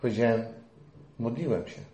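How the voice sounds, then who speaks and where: A middle-aged male pastor preaching a sermon, swinging between emphatic peaks and quiet asides. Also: mid-range voice, normal speed, echoey room.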